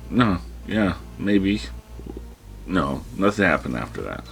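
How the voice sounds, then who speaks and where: Over soft background music, a man with a deep voice and vocal fry vlogs a personal story, slow but very animated and breathing heavily. His casual storytelling rambles with restarts, and he quotes himself in panicked whispers.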